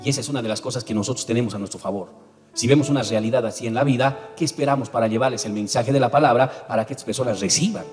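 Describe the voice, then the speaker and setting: A man's voice: medium pitch, rapid-fire, darkish tone. A man preaching a sermon as pastor, telling stories emphatically and often checking in with his listeners. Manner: emphatic storytelling preacher with frequent tag questions. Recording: echoey hall with faint music.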